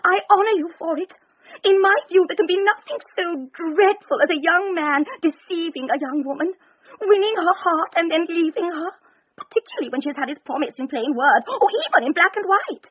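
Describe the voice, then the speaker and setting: A woman's voice: very high voice, fairly quick. An actress playing a fawning, needy young woman in a period radio drama, speaking in a coy, reproachful way. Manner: coy, reproachful, theatrical sighs. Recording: dull lo-fi radio recording.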